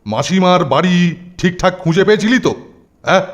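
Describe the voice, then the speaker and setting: A man's voice: high voice, animated, fairly quick, highs cut off. A man playing a nosy, suspicious hostel superintendent in a comic cartoon, fussy and questioning.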